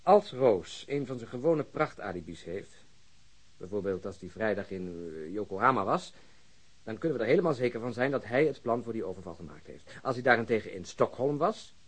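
An actor playing a matter-of-fact police detective who explains a case drily in a Dutch radio crime drama. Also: male voice, fairly low pitch, very animated, a little fast, husky.

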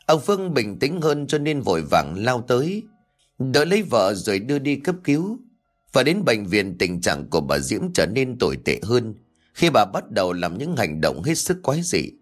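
A man reads a scripted horror folk tale in a lowish voice, full of dramatic, sweeping swings in pitch. Faint music plays underneath. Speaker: storyteller. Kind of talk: scripted horror story narration. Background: faint background music.

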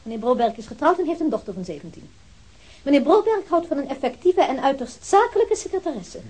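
An actress playing a brisk secretary who speaks drily and sardonically. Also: female voice, high-pitched, big pitch swings, a little mellow, low-quality recording. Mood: dry. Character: sharp, ironic young woman secretary. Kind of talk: radio play acting.

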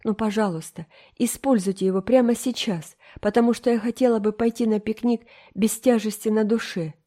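In this storybook reading, a woman plays a small orphan girl who is dreamy and given to high drama, her pleas pitched up and pushed loud. The tone stays mellow and soft at the edges. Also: steady tone, moderate pace, natural voice. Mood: resigned. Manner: theatrical, pleading, emotional. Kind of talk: audiobook character reading.

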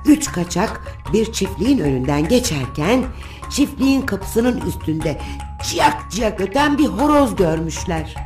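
A woman storyteller reads a children's fairy tale. Her mid-pitched voice rises and falls expressively. Music plays clearly beneath the narration. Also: big pitch swings, measured pace, a little mellow. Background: prominent music.

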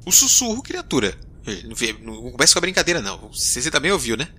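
Fields: Figure: a man playing a brisk explorer captain. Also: mid-range voice, slightly rough, exaggerated voice. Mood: insistent. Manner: lively, brisk, insistent. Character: wisecracking male space explorer captain. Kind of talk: audio drama acting.

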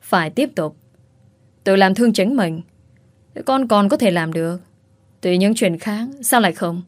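A woman's voice: mid-range voice, normal speed, a little mellow, no echo, lightly acted. A woman voicing a scheming, bossy middle-aged mother in a spoken story. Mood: scolding. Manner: fussing, wailing, bossy. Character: scheming wealthy middle-aged mother pushing her daughter.

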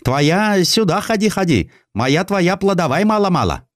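A man's voice: high voice, big pitch swings, normal speed, no room sound, studio quality, pitched above the performer's own voice. A man voicing a Chinese street trader with a Chinese accent and sing-song broken speech in an audiobook. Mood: chattering.

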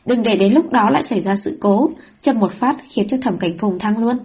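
A woman's voice: mid-range voice, moderate pace, darkish tone, husky. A woman voicing a fussy male system spirit that nags the heroine about her mission, in an audiobook reading. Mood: instructing. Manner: nagging, pleading.

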